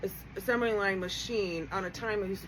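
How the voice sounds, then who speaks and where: A woman's voice: mid-range voice, normal speed, a loud crowd, low-quality recording. A woman guest telling stories in casual chat, blunt and swearing freely. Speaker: guest co-worker.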